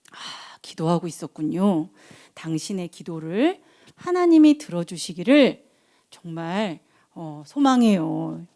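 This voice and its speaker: A woman's voice: mid-range voice, animated, a little fast, creaky, hardly any pauses, mellow. A woman voicing an old male priest in a storytelling sermon for children. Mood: stern.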